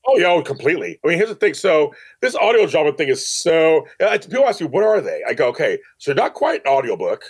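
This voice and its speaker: Husky, a little high and sing-song, a man talks fast with few pauses while telling personal stories on a podcast. The guest, who produces audio dramas, keeps it casual and emphatic, repeating phrases for stress.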